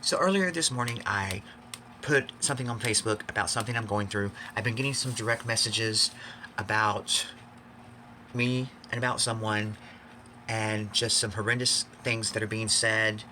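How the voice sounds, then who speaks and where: Male vlogger, campy and theatrical, forceful bright tone, confessional delivery, faint background noise. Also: on the low side, normal speed. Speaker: video blogger. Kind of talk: confessional vlog to fans.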